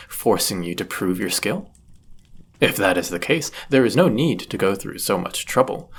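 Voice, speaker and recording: A man's voice: fairly low pitch, creaky, slightly rough, full character voice. A man playing a powerful demon, a devoted and possessive servant, with formal, theatrical phrasing in a fantasy audio roleplay. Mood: jealous, indignant.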